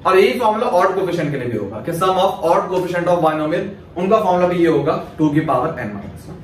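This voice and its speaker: A man's voice: on the high side, animated, normal speed. A male maths teacher from Pakistan giving a lecture, explaining step by step and answering his own questions. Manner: asks questions then answers them himself. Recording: very echoey room, mic far off, faint hiss.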